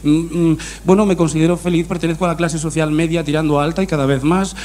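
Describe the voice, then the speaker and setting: A man's voice: on the high side, quick pace, slight background noise. A man doing a mock-serious comic monologue full of puns. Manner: deadpan punning humor, mock-serious delivery. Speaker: comedian.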